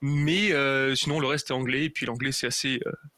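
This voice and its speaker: With fairly even intonation and a medium pitch, a man speaks at a fairly quick pace. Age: 30s. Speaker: airline cargo pilot. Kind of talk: interview on live show. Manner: hesitant, many fillers.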